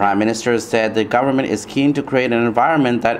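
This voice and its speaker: Noticeable background noise behind a medium-pitched man's voice. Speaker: news presenter. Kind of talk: formal news reading. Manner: formal, steady, measured newsreader delivery.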